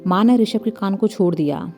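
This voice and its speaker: Lady reading out a love story, calm and even, mellow warm voice, quiet music under it. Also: mid-range voice, normal speed, vocal fry. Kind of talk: scripted storybook narration. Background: faint background music.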